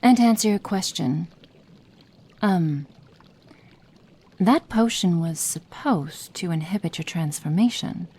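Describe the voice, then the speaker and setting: A woman's voice: fairly low pitch, animated, slow, pauses often, warm tone, slightly rough, heavily acted. A woman voicing a stern, impatient witch in an ASMR roleplay, giving curt commands and muttering whispered notes. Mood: explaining. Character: stern, impatient adult female witch experimenter. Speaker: roleplay performer.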